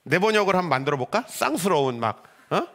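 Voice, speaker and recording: Male pastor, middle-aged, animated sermon delivery, bright voice with big swings in pitch. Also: quick pace. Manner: animated, rhetorical questions, acts out quoted voices.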